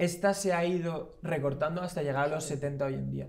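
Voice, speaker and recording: An unremarkable speaking voice from a man, fairly high in pitch, with fairly even intonation and a moderate pace over a quiet background. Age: 20s. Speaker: arts foundation representative; guest. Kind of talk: interview. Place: studio. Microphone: lapel.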